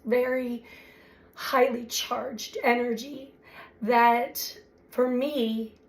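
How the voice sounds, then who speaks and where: A woman hosting a spiritual astrology channel, talking reflectively with many pauses and fillers while her voice recovers from illness. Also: fairly high pitch. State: recovering from voice loss. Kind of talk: unscripted spiritual talk to camera.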